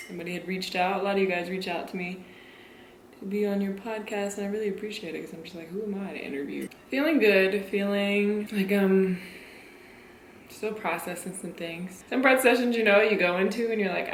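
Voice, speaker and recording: A young adult woman vlogging at home in a casual, candid and reflective way. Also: mid-range voice. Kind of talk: casual vlog talk. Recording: echoey room, faint noise.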